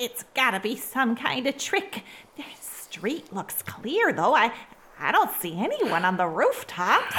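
A woman's high voice swings very widely in pitch as she talks at a fairly slow pace. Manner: rowdy, gruff.

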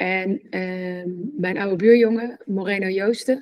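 The woman's medium-pitched voice has ordinary pitch variation. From Netherlands, Arnhem (Gelderland). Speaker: real estate agent. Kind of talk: interview.

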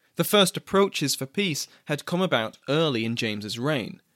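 In a British accent, a man speaks with lively intonation on a very clean recording with a silent background and a dry, close sound with no echo. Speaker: history podcast host. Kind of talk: scripted narration.

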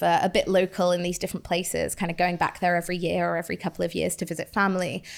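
In a very clean recording with a silent background, a woman's medium-pitched voice carries vocal fry. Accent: British. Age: 20s. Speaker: author. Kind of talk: casual chat.

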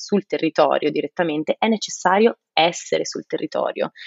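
A woman speaks in a plain, everyday voice with a fairly low pitch, ordinary pitch variation and a moderate pace. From northern Italy, Bergamo. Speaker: ethnobotany researcher. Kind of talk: interview.

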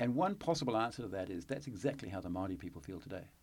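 Speaking at a fairly quick pace in a New Zealand accent, a man with a medium-pitched voice shows very wide pitch swings and vocal fry. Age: 60s. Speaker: ambassador. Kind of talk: interview.

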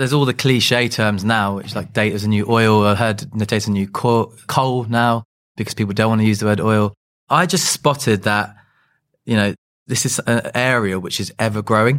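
Fairly low pitch and fairly even intonation mark this man with a British accent. The recording is very clean, with a silent background. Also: moderate pace. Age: 30s. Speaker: sales director. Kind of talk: interview.

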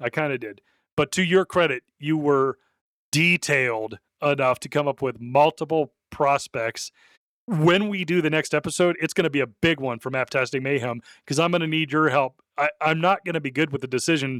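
A man's fairly high-pitched voice, an unremarkable speaking voice, at a moderate pace with ordinary pitch variation, dry and close with no echo on a very clean recording against a silent background. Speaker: motorcycle podcast co-host. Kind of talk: casual chat.

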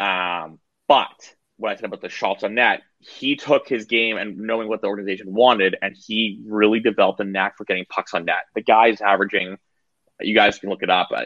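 Here is a man with an ordinary speaking voice and a fairly low pitch. He talks at a fairly quick pace with fairly even intonation. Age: 20s. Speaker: hockey writer and managing editor. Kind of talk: casual interview. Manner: filler-heavy, casual.

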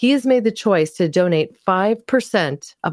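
Here is a woman with an unremarkable speaking voice and lively intonation, talking at a moderate pace. The sound is dry and close, with no echo. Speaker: podcast host. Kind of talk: interview.

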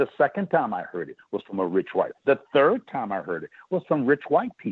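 With vocal fry and very wide pitch swings, a man speaks at a moderate pace in a fairly high voice. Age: 60s. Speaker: bishop and author. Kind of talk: casual chat.

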